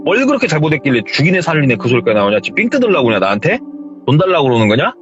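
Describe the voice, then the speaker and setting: A man playing a cornered young man, defiant, lively pitch, muffled sound; storytelling role. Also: rapid-fire, faint music behind. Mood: indignant. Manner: indignant, defiant.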